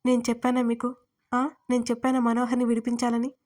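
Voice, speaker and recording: A tearful, earnest young woman pleading her case, as a woman reads her part in an audio story. The voice sits fairly high, and its pitch stays flat and even. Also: quick pace, natural voice. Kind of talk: audiobook character reading.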